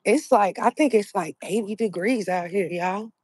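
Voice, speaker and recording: A woman's voice: medium pitch, moderate pace, a little mellow, slightly rough, no room sound. A woman in her thirties from Texas with a Texan accent, chatting with viewers on a phone while walking outside. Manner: chatty, talks to viewers, explains numerology. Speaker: vlogger. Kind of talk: casual livestream chat. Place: outdoors on a sunny street. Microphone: phone held at arm's length.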